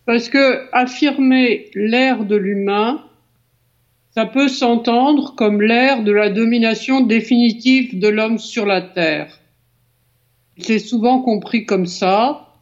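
A woman philosopher speaks as a debate guest, explaining ideas slowly and with care. Her voice sits high, and the recording sounds dull and lo-fi. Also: darkish tone. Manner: measured, explanatory.

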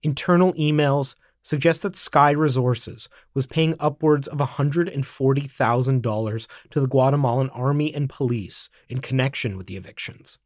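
A man narrating an investigative report in scripted, measured form. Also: mid-range voice, no echo, studio quality. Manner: measured, even delivery. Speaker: documentary narrator.

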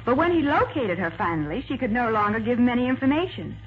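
An American actress playing a bright, sympathetic detective's secretary in a 1940s radio crime drama, expressive and chatty. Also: female voice, fairly high pitch, fast talker. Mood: bright, confident. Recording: muffled, noisy 1940s radio recording.

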